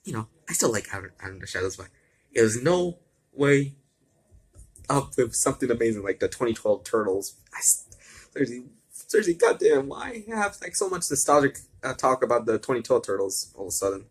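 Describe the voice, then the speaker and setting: A man's voice: mid-range voice, sing-song, a little fast, husky. A man reading fan fiction aloud with casual asides, often stumbling over words and repeating himself.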